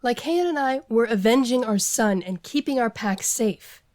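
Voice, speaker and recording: A woman's voice: a little high, lively intonation, normal speed, a little mellow, no room sound, studio quality, lightly acted. A woman voicing a vengeful female werewolf mother who justifies a betrayal coldly and without apology. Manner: cold and unapologetic. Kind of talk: audio drama acting.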